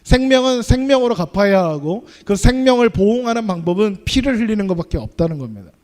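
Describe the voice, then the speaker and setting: Young male youth preacher, high voice, chatty sermon style full of questions to the room. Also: sing-song, fast, darkish tone. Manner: conversational, asks the audience questions.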